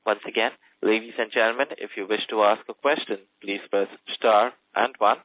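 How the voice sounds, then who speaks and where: A man's voice: lowish voice, fairly even intonation, moderate pace, no room sound. Dry phone-line voice of a male operator. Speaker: conference call operator. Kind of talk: formal scripted call moderation. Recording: dry, narrow telephone line.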